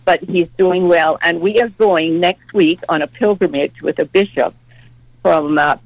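A woman's voice: lowish voice, no echo, poor audio. Ninety-year-old woman calling in. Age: 90s. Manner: halting, repeats words, chuckles often. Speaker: caller. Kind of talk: phone-in chat.

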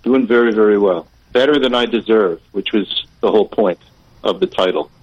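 Man, radio caller, from the United States, reflective, measured, lowish voice, dry sound. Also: no echo, dull audio. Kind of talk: phone-in conversation.

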